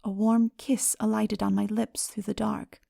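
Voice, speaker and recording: A woman reading a literary story as a dramatic audiobook narrator, solemn, measured and expressive. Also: medium pitch, vocal fry, no room sound, clean studio sound.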